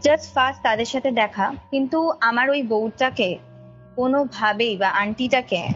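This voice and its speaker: Young bengali lady from on a dull phone recording, highish voice, telling her story, music behind. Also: moderate pace. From India. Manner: emphatic, repeats phrases for emphasis. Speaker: caller recounting a ghost story. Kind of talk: casual personal storytelling. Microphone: phone call. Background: background music.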